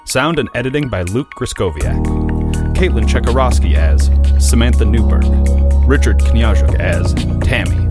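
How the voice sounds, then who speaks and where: A man with a lowish voice reads the end credits in a dry, even announcer's tone. Loud music plays behind him. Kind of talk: scripted credits reading.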